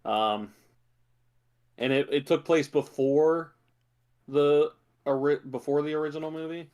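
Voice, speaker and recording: A man's voice: on the high side, steady tone, measured pace, darkish tone, muffled recording. A man co-hosting a podcast, chatting casually about films and shows, thinking aloud as he goes. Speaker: podcast co-host.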